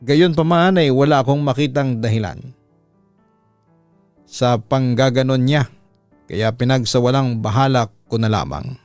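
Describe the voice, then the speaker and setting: A man's voice: mid-range voice, measured pace, pauses often, darkish tone, dry recording, faint music behind. A man with a Filipino accent reading a listener's letter aloud as a storytelling host, in first-person dramatic narration.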